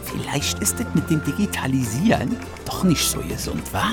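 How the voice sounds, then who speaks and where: An actor playing an easygoing ticket machine technician in a children's audio drama, casual and colloquial. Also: male voice, fairly high pitch, very animated, moderate pace, music in the background. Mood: absent-minded.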